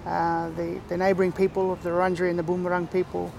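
Man, Aboriginal Australian accent, high voice, narrow intonation, casual explanatory interview style, pauses mid-thought, some outdoor noise behind. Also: completely flat delivery, vocal fry. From Far East Gippsland, Victoria, Australia. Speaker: interview guest. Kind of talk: reflective casual interview talk.

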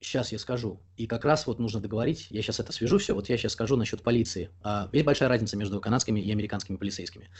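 A young man being interviewed, talking at length in an opinionated way, often pausing on fillers. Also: lowish voice, husky. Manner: talkative, opinionated, explains at length with frequent fillers. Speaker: interview guest. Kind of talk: casual conversational interview.

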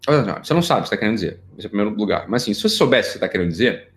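Lower-pitched and rapid-fire, a middle-aged Brazilian man runs through an informal psychology lecture. His Brazilian Portuguese-accented delivery is animated, playful, and stuffed with rhetorical questions.

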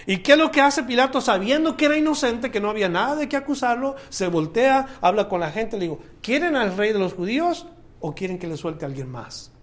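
Male pastor, high-pitched, emphatic sermon delivery with loud peaks and soft drops. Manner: preaching with rising emphatic bursts and quiet drops.

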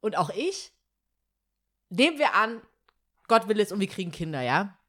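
A woman's voice: medium pitch, very animated, normal speed, fairly bright tone. A young woman in a casual chat, chiming in eagerly and musing aloud. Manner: chatty, reflective, eager to chime in.

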